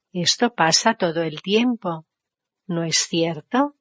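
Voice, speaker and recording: A woman interprets a spiritual discourse in a slow, unhurried delivery and a somewhat low voice. She keeps putting questions to her listeners and stops to explain foreign terms. The sound is dry and a bit dull, like a lo-fi recording. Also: no echo. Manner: rhetorical questions to the audience, explains foreign words.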